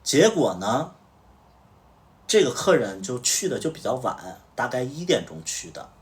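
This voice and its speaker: A livestream host casually tells a story, recounting events by acting out what each person said. The man's mid-range voice is sing-song and a little slow, and he sounds far from the mic.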